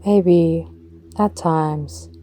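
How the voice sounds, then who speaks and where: A woman leading a guided meditation in a slow, soft voice, some words dropping to a breathy whisper. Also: sits low, steady tone.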